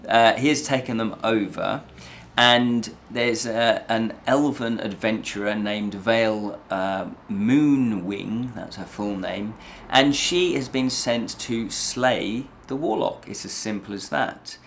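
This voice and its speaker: A man in his forties hosting a review show, talking to camera in an animated, emphatic, conversational way. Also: on the low side, slow pace, vocal fry, slight background noise. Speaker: host of a fantasy review show. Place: small indoor room with fabric backdrop.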